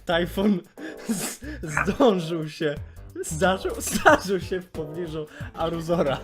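A man's voice: on the high side, lively intonation, slow pace, music in the background. A man narrating an amateur comic parody dub in an informal, jokey way, slipping into casual banter.

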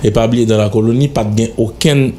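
A middle-aged man with a Haitian accent, his voice on the low side and dark, talks quickly with fairly even intonation as a guest in a radio studio interview. He speaks emphatically and insistently, almost lecturing, into a studio mic on a stand, with slight background noise.

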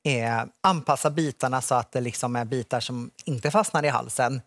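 A man in his thirties, a nurse guest on a morning TV show, explaining in a relaxed way with many fillers, recorded on a lapel mic in a studio. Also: mid-range voice, no room sound. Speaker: pediatric specialist nurse guest.

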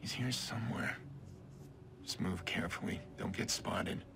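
An actor playing a grim, terse vigilante hacker in an action game, speaking in a brooding, deliberate rasp. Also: male voice. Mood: focused, menacing. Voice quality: low gravelly rasp. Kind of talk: video game voice acting, inner monologue. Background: game music.

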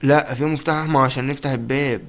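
A young man with an Egyptian Arabic accent giving excited, exclamatory commentary while hosting his gaming channel. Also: medium pitch. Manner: energetic, exclamatory, rapid-fire.

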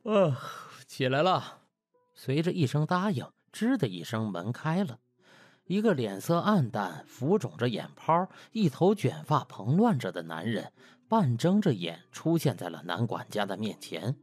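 A man's voice: mid-range voice, wildly swooping pitch, moderate pace, a little mellow, husky, no room sound. A man narrating a novel as an audiobook, in a scripted storytelling style.

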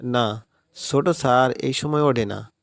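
A fearful housemaid, timid and pleading, in plain rustic village speech, as a man reads her part. The voice has a gravelly edge and sits in a dry, close space. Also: mid-range voice, takes it slowly, dry recording. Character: timid middle-aged woman house maid, fearful.

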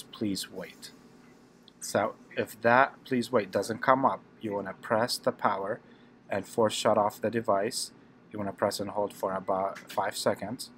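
A man's voice: on the low side, slight background noise. A man hosting a tech tutorial channel, talking through each step plainly and repeating his instructions.

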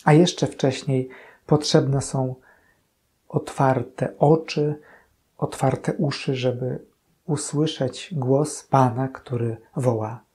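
A man in his thirties gives a calm, earnest reflection as a priest, speaking very slowly. His voice is mellow and slightly husky. He is recorded on camera in a small chapel room. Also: medium pitch. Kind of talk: short gospel commentary. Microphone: fixed camera, medium shot.

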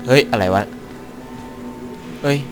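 A young man giving crude, jokey commentary on a horror game, yelling and cursing when something startles him. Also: slow pace, music in the background. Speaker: gaming YouTuber. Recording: faint background noise.

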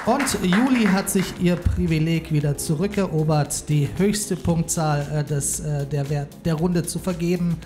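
A man's voice: a little high, unhurried, hardly any pauses. A man hosting a poetry slam on stage at a stand mic, chatty and announcing the scores with some fillers. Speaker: slam host. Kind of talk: live event moderation. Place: stage in a hall with audience. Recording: live hall with crowd and music.

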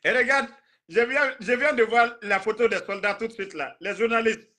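A man's voice: very high voice, moderate pace, bright, forceful tone. A man in his thirties with a Guinean accent, talking politics on a live stream in an emphatic, indignant, repetitive way. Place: indoor room, video call.

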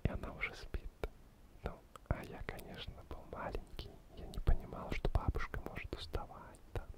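Man, thirties, soft breathy ASMR whisper, soothing, slightly indistinct, unhurried, close-miked bedtime reading. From Ukraine. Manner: soothing, calm, unhurried, lulling. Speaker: ASMR host. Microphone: two foam-covered microphones, very close.

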